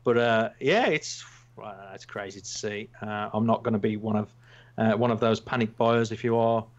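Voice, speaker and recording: A man's voice: lowish voice, steady tone, moderate pace. A man with a Black Country accent hosts a casual podcast in a rambling, jokey, self-mocking way. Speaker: podcast host. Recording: slightly dull, lo-fi sound.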